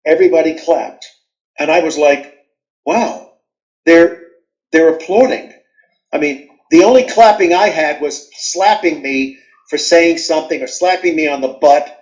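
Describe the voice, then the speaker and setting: Animated storytelling man from New York. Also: fairly high pitch, normal speed, highs cut off. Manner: animated storyteller, acts out scenes. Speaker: guest. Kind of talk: storytelling interview answers.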